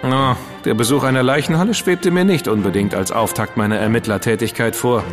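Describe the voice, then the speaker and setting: Theatrical ironic dandy played by a man, mid-pitched, radio drama. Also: a little fast, close to an everyday voice. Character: witty, theatrical male dandy, ironic and fastidious. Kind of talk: German radio drama acting. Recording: long reverb with music behind.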